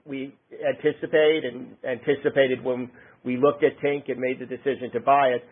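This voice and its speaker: A man speaking as a company executive on an earnings call, halting and often rephrasing his words. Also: mid-range voice, husky. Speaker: company executive answering analysts. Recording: narrow-band conference phone line.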